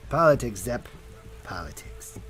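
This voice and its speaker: A man's voice: medium pitch, sing-song, a little slow, fairly bright tone, soft background music. An actor playing a dry, confident, street-smart male detective in a noir audio drama. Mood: wry. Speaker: private investigator.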